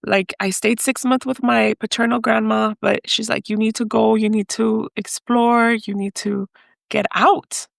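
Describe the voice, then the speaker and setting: A fairly high, steady, creaky female voice moves a little slowly in a clean studio recording with no room sound. She's telling her personal story as a podcast guest, hesitant and emotional, slipping in Spanish phrases; she was raised in the US by Mexican parents.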